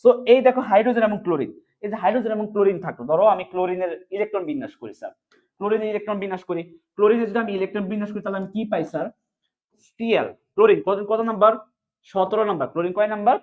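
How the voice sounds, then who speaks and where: A man teaching chemistry in an online exam-prep class, drilling students with quick repeated questions. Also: high voice. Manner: fast, repetitive question-and-answer drilling. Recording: phone-like narrow sound.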